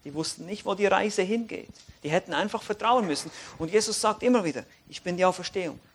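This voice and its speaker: A man preaching a sermon and reading Bible verses, animated, moving between quiet reflective lines and raised, emphatic ones. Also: sits high, fast, husky.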